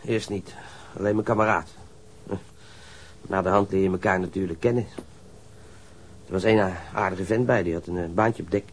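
A man's voice: low voice, fairly even intonation, normal speed, pauses often, slight background noise, natural voice. An actor playing a surly, defensive young male ship's stoker in a radio crime drama, coarse and sullen, stammering when riled. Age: young adult.

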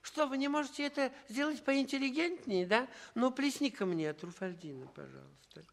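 A man's voice: extremely high pitch, lively intonation, normal speed, vocal fry, full character voice. A man playing a naive, fussy, childish commedia clown who stutters and minces, in broad comic stage style on a 1960s theatre radio recording. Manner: stuttering, clucking on stuck syllables, mincing.

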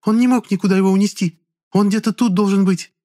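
A male narrator voicing a shrill, hysterical young woman who keeps shrieking accusations. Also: fairly even intonation, fast, warm tone, natural voice. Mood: insistent. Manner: shrieking, whiny, insistent. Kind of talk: audiobook character voice.

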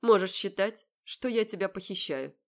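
Calm, serious young man, read by a woman narrator, slow and even in an audiobook. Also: mid-range voice, natural voice. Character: calm, self-assured young man kidnapping his fiancée's sister.

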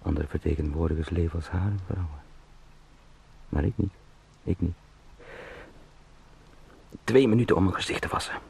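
An actor playing an anxious travelling salesman in a radio drama, muttering haltingly and repetitively to himself in a gravelly voice. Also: sits low, darkish tone, full character voice. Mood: anxious, hurried resolve.

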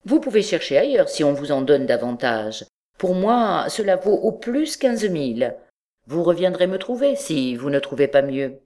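A woman's voice: deep voice, expressive, measured pace, dark tone. A woman voicing a suspicious male jeweler with a dry, clipped manner. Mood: curt.

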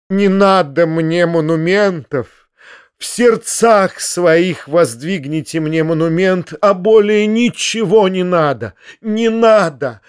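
A man voicing a feverish, self-pitying man who declaims in slow wails and shouted questions, in an audiobook. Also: a little high, no room sound, studio quality, voice pushed up. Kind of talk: audiobook character reading.

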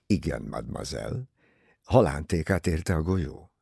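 A man reading an audiobook, voicing a calm, shrewd older detective who speaks in a measured, probing way. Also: rumbling low, vocal fry, breathy edge, no room sound, studio quality, pitched below the performer's own voice, full character voice.

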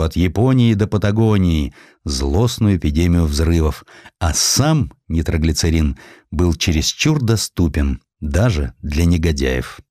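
A man with a low voice reads a historical narrative in a theatrical, ironic way. His intonation is very lively and moves freely up and down. The sound is dry and close, as in a produced audiobook. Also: no room sound. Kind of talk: dramatic scripted narration of a historical essay.

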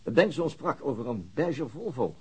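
A man's voice: mid-range voice, big pitch swings, a little slow, mellow, husky, exaggerated voice. An actor playing a methodical, slightly weary police detective in a radio drama, hesitating as he thinks aloud. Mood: matter-of-fact. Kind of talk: naturalistic radio drama acting.

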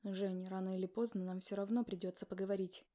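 A guilty husband pleads and insists, as a woman reading an audiobook puts him on. His voice sits low and flat, with a mellow, dark tone. His words press on in a steady run. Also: quick pace, natural voice. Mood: pleading. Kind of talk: audiobook character voice.

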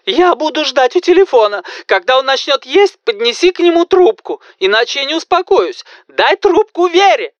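A man voicing a fussy, panicky elderly grandmother with a shrill, wailing voice. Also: very animated, moderate pace, hardly any pauses, no room sound, lo-fi sound. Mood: shrieking.

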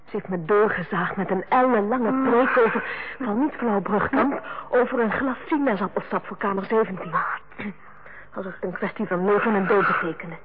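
An actress playing a young, put-upon nurse with a wry streak in a Dutch radio play. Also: female voice, mid-range voice, normal speed, narrow, tinny audio, lightly acted. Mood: wry, grumbling. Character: young female nurse, put-upon, wry, grumbling about her superior. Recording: thin, noisy old radio recording.

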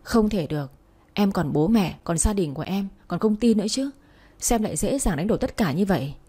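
A woman's voice: mid-range voice, lively intonation, a little fast, dark tone, slightly rough. A woman voicing a stern young man who keeps scolding and urging his girlfriend, in a storybook reading. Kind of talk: storybook narration.

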